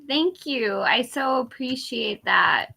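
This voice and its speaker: A woman reading tarot cards on a casual livestream, a little tipsy and slow-paced, drawing out her words. Her voice is bright and forward, and she rambles through halting fillers and easy laughter. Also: fairly high pitch, animated, gravelly, breathy edge. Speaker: tarot reader and livestream host.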